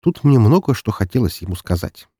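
Male narrator, husky low voice, lively intonation, dry close-miked audiobook reading. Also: brisk, dry recording. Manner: expressive storytelling reading. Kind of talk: scripted narration.

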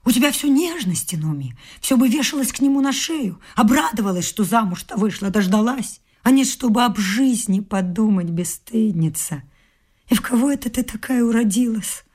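A woman's voice: fairly high pitch, lively intonation, moderate pace, a little mellow. An actress in a radio play voicing a domineering, grasping middle-aged mother-in-law who scolds emphatically and haughtily. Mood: scolding, lecturing. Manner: scolding, emphatic nagging with whispered scorn. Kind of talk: theatrical radio drama acting.

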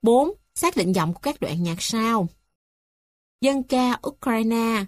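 A woman reads a music theory textbook aloud, taking each item slowly and deliberately. Her voice sits a little high. The recording is dry, with no room sound. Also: animated, dry recording. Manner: slow, measured, list-like reading. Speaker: textbook reader.

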